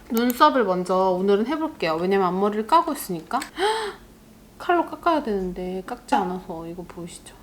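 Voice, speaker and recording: A young woman doing a makeup vlog in casual chat, animated and laughing often as she reads comments. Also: on the high side. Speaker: beauty YouTuber. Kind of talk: get-ready-with-me makeup vlog.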